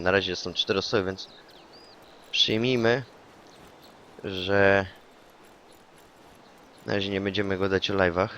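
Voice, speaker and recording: A man's voice: lowish voice, a little hiss or hum. Guy streaming a shooter, chatty and swears a lot, hollers when he gets a kill, kinda dull muffled audio. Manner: excitable, swears, yells taunts in English on kills. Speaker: game streamer. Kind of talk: casual gaming chat with a teammate.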